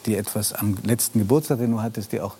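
Husky-voiced woman talk-show host. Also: very deep voice, fast talker, warm tone.

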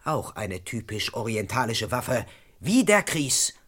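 An actor playing a brisk, self-assured male police constable who questions people officiously and also narrates, in a radio play. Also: mid-range voice, very animated, fairly bright tone, full character voice. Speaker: narrator and investigator.

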